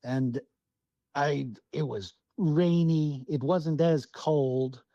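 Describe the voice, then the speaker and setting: A man's voice: fairly high pitch, extremely slow, warm tone, dry recording, muffled recording. A man from Southwest Alaska, a podcast guest telling a hunting story in casual, profane storytelling, acting out his own thoughts. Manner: salty, swears freely, acts out his own thoughts.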